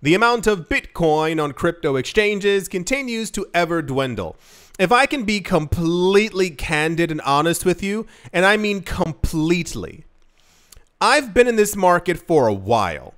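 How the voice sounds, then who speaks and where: High-voiced man rambling earnestly to camera. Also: fairly bright tone. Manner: rambling, many "like" fillers and restarts; earnest, emphatic, shifts pace often. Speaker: crypto investing vlogger. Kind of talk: casual talk to camera.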